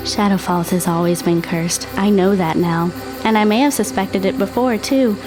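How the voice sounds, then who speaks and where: A woman's voice: mid-range voice, moderate pace, natural voice, low-quality recording. A woman playing an anxious, petulant teenage schoolgirl in a dramatic audio drama, both in scenes and as its narrator. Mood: haunted, reflective. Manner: dramatic, youthful. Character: dead teenage schoolgirl, anxious and petulant, telling her story. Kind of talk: audio drama acting and first-person narration. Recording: music behind the voice.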